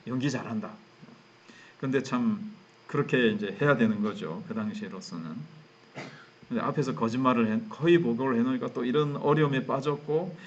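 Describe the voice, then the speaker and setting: A middle-aged man preaches to his congregation in an easy, conversational way. He slips into the voices of biblical characters to show what they were thinking. His voice sits at a middling pitch, and the recording is dull and lo-fi. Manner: conversational, acts out biblical characters' inner thoughts. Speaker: pastor. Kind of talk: expository sermon at midweek prayer service.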